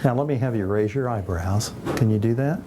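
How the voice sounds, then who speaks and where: A man speaking as a neurologist, in halting, unscripted remarks during an examination and news interview. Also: fairly low pitch, noisy background.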